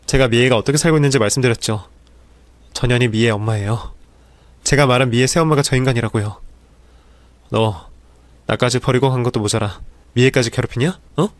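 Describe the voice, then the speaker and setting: A man voices a furious grown son, accusing and insulting. The voice is mid-pitched for a man. The sound is dry and close. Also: a little fast, long pauses, no room sound, lightly acted. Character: furious grown son confronting his birth mother.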